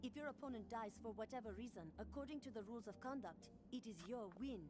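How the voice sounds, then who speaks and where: A woman's voice: fairly high pitch, fast, a little mellow, lightly acted. An actress playing a stern, officious woman enforcing the rules of a fight in a video game. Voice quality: clipped, officious. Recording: faint and distant.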